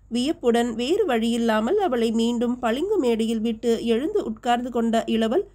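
A woman narrating a historical novel as an audiobook, with steady, measured storytelling. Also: on the high side.

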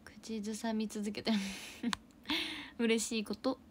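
A young woman hosting a casual idol livestream. She reads out viewer comments and thanks them for gifts, and often drops into soft, whispery asides. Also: fairly high pitch, fairly even intonation, slow, a little hiss or hum.

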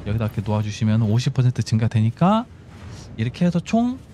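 A man's voice: medium pitch, very animated, quick pace, mellow, slight background noise. A man giving casual gameplay commentary, explaining build steps as he goes and talking to himself over faint game music. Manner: instructive, talks himself through building steps. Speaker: gaming YouTuber.

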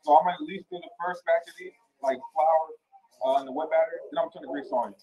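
A young man talks quickly in a slightly high voice while cooking in his home kitchen. He walks through each step as he goes, picked up by a phone on the counter. It sounds like an easy, unscripted cooking chat. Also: dark tone, rough recording. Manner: explains each step as he works. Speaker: host cooking on a ministry call. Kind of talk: casual cooking walkthrough.

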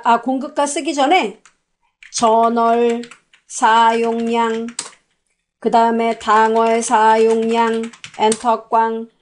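A woman's voice: on the high side, darkish tone. A woman teaching a spreadsheet tutorial over her screen, chatty, putting questions to the class and answering them herself. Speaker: computer instructor. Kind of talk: spoken software tutorial.

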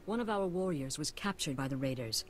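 A voice actor playing a grave, measured tribal elder in a video game. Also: mid-range voice, lively intonation, a little hiss or hum, close to an everyday voice.

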